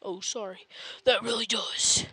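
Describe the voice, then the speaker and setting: A woman's voice: on the high side, steady tone, a little slow, creaky, bright, forceful tone, husky. A woman casually reacting to short videos, muttering short asides.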